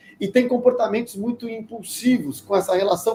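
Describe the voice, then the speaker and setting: This man speaks with a high pitch. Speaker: relationship coach. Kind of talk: live stream talk. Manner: fast.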